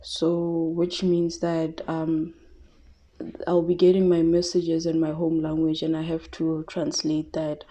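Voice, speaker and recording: Soft-spoken, hesitant woman. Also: sits low, completely flat delivery, takes it slowly. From South Africa. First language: Tshivenda. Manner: hesitant, many fillers and restarts. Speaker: tarot reader. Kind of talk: casual psychic reading.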